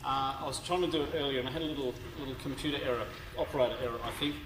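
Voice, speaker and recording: A man giving a university law lecture in a hoarse, tired voice, speaking haltingly with many fillers and restarts. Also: medium pitch. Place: large lecture hall. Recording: echoey lecture hall recording with background noise.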